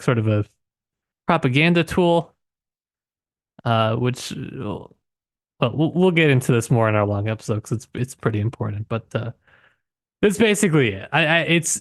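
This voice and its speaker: A man with a medium-pitched voice co-hosts a casual literary podcast. He speaks hesitantly, often searching for the right words. The recording is dry, with hardly any room sound. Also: no echo. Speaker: podcast co-host.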